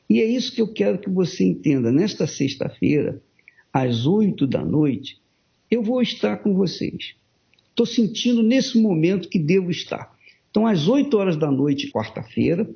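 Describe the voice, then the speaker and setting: A man's voice: high voice, gravelly. A man, a bishop, preaching on a broadcast, emphatic and repeating phrases for stress, on muffled audio.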